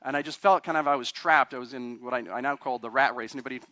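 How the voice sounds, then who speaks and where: A man's voice: medium pitch, fast talker, bright, forceful tone, dry recording. A man in his forties from Chile, an attorney giving a live talk to a meetup audience, chatty and self-deprecating, often quizzing the crowd. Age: 40s. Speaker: guest speaker, attorney.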